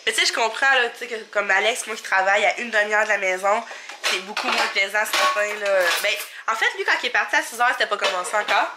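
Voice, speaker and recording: A woman's voice: medium pitch, quick pace, heavy background noise. A woman in her thirties with a Québécois French accent, chatting casually in a rambling home vlog, a little sniffly from a stuffy nose. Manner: chatty, rambling, many fillers and little laughs. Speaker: family vlogger. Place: home kitchen, indoors.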